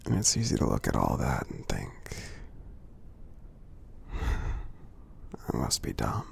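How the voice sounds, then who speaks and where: A man voicing a friendly, kindly giant in an ASMR roleplay, speaking softly and breathily with a gravelly edge, in a tender, halting, encouraging way. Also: very deep voice, wildly swooping pitch, slight background noise, heavily acted. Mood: earnest, encouraging. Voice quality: soft, breathy, half-whispered, gravelly. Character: gentle friendly male giant, kindly and reassuring.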